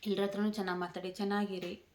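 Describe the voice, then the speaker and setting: A woman's voice: mid-range voice, flat delivery, fast, a little mellow. A woman speaking in an emotional tribute vlog, tearful and pleading, repeating herself. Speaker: vlogger.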